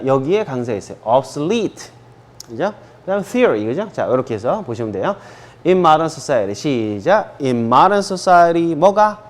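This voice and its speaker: A Korean man teaching English grammar in a lively, sing-song voice that rides up and down a lot. His voice sits a little high, and he keeps checking in with his students, then stretches English phrases out slowly for them to repeat. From South Korea. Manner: drills students with frequent "그죠?" and slow English repeats. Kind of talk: classroom grammar lesson.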